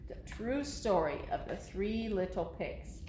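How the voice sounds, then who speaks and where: A woman's voice: mid-range voice, animated, unhurried, mellow, roomy sound, slight background noise, rough recording. A middle-aged woman presenting a children's story time, speaking directly to young listeners with questions. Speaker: library story time host.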